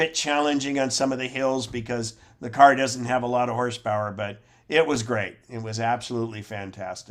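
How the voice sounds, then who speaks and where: Using a normal speaking voice, a man holds a medium pitch and fairly even intonation. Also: fairly quick pace. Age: 60s. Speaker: computer class instructor. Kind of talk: presentation to a class. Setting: video call. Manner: casual, conversational.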